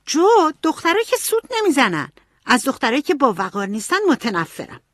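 A woman's voice: medium pitch, big pitch swings, pushed and bright, no room sound, clean studio sound, pitched above the performer's own voice. A woman doing a prim, fussy little girl. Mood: disapproving. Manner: prissy, scolding. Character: prim young girl, youngest sister, fussy.

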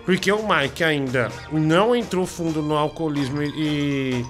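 A man's voice: a little high, unhurried, fairly bright tone. A man hosting a comic radio show with a Brazilian accent, teasing and mocking in repetitive banter. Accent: Brazilian Portuguese. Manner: mocking, teasing, repeats himself. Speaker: host. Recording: music playing behind the voice.

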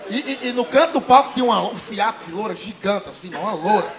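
Crowd noise surrounds a young man from Ceará doing stand-up in front of a live audience. He talks fast in a high-pitched voice and a Northeastern Brazilian accent, spinning crude tales and animatedly playing out each exchange.

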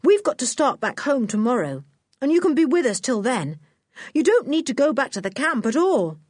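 Lady reading as a proper earnest schoolboy, polite, bit breathy, lively lilt. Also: high voice, moderate pace, no room sound, clean studio sound, voice pushed up. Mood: eager. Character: sensible well-spoken schoolboy, leader of the children.

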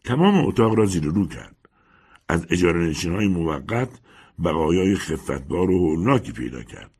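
Male audiobook narrator, very deep and animated, literary reading. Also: breathy edge. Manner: expressive storyteller.

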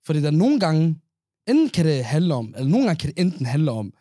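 A man's voice: fairly high pitch, sing-song, warm tone, no room sound, studio quality. A man co-hosting a podcast in casual chat, talking reflectively and steering the topic, with some English words mixed in. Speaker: podcast co-host.

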